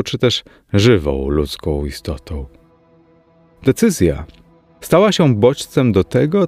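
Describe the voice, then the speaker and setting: A man narrates a story in a slow, measured audiobook delivery. His voice sits fairly low, and he lets it sink to a hush now and then. Faint music plays underneath.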